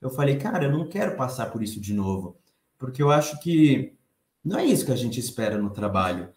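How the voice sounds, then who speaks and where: A Brazilian man in his thirties gives an expressive, chatty conference talk. His voice is soft and light, and he sits at a middling pitch. The sound carries a clear room echo. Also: a little fast. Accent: Brazilian Portuguese. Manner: conversational, expressive, reads the chat aloud. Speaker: conference speaker.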